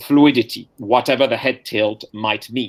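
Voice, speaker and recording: A man with a French accent, medium pitch and ordinary pitch variation. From France. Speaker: professor. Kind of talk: lecture.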